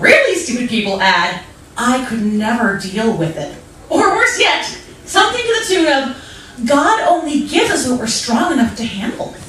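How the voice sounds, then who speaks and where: A woman with a high pitch speaks at a moderate pace with very wide pitch swings, in audible room echo over light background noise. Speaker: open mic performer and cancer survivor. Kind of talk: reading aloud a personal essay at an open mic, with dark-humored stand-up touches. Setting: stage with audience. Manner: earnest and heartfelt toward the close. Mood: earnest, wry, a bit indignant. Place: stage.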